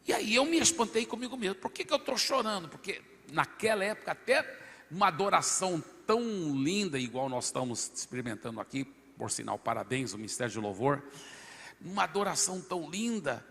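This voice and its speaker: Bright gravelly pastor telling his testimony. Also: on the high side, in a large hall. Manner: animated storyteller with sudden loud and soft swings. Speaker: guest pastor. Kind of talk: personal testimony storytelling.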